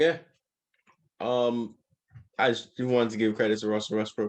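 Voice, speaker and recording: Mumbling man at a moderate pace. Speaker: basketball podcast co-host. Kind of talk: casual chat. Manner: mumbling, stumbling.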